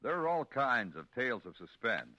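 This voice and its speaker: A man works as announcer on a vintage radio thriller program. His medium-pitched delivery is formal and full of portent. The broadcast sound is dull, with music playing strongly behind him. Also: big pitch swings, normal speed. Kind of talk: 1940s-50s dramatic radio announcing. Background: loud dramatic music.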